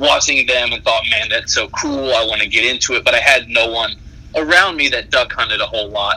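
Noticeable noise sits behind speech delivered fairly quickly. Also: man. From US South, Georgia (born in Iowa). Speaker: duck call maker and hunter. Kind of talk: casual interview.

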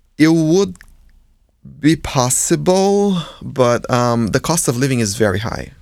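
With a Portuguese accent, a man speaks at a fairly slow pace and medium pitch, his pitch swinging very widely between long, frequent pauses. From Brazil, greater São Paulo. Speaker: English teacher and former actor. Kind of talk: interview.

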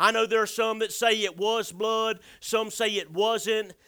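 This man's voice is high, bright and sharp, raised and projected with an animated tone. The recording is very clean with a silent background. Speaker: pastor. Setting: church with congregation. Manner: halting, with frequent "uh" fillers and restarts.

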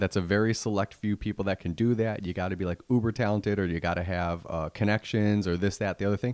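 A man's fairly low-pitched voice at a very fast pace with fairly even intonation, in a very clean recording with a silent background. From Chicago. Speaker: comedian. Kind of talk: casual chat.

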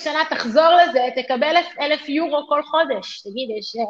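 A high-pitched woman at a fairly slow pace, ordinary pitch variation, noticeable background noise behind her. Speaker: real estate entrepreneur. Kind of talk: interview.

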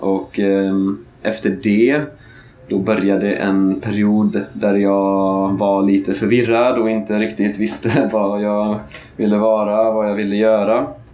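Audible room echo surrounds a man speaking at a fairly slow pace. His fairly low voice has fairly even intonation and very even loudness. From western Sweden, Alingsås near Gothenburg. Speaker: Swedish language teacher podcaster. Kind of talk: language-learner podcast monologue. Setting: café restroom. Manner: slow and clear.

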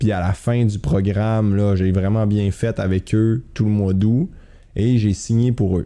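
This man has a fairly low pitch and a dark, mellow tone. He talks at a fairly slow pace, with fairly even intonation. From Quebec, Saguenay. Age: 20s. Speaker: pro road cyclist. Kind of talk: casual interview chat.

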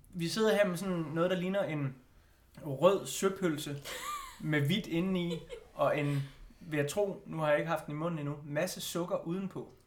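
Noticeable noise sits in the background. The delivery is fairly slow. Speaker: radio host. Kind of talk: casual chat. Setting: home kitchen.

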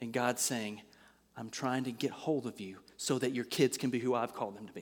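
A man with a plain, everyday voice, medium pitch, moderate pace, very clean recording and silent background. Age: 30s. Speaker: pastor. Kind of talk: sermon. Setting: church.

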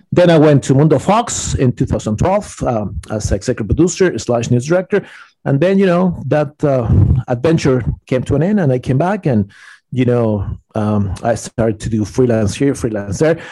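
With a Spanish accent, a man talks at a moderate pace and medium pitch, his intonation lively. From Mexico City. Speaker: Spanish-language hockey broadcaster. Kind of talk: casual interview.

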